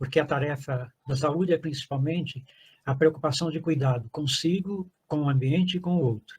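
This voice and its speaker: Somewhat breathy, a man's fairly high voice moves with ordinary pitch variation. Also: moderate pace. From Zona da Mata, Minas Gerais, Brazil. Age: 80s+. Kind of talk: oral history interview. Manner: halting, with many hesitations.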